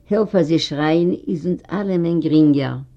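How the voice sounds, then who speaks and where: A reader voicing an old kibbutz man who drives an old car, gruff but kindly, talking in a folksy, joking way, a bit louder than the narration. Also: medium pitch, unhurried, close to an everyday voice. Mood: teasing. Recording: dull lo-fi recording.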